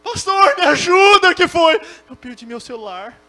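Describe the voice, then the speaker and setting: A pastor voicing an overwrought churchgoer who cries out dramatically in a high, wailing voice. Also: male voice, fairly even intonation, fairly quick.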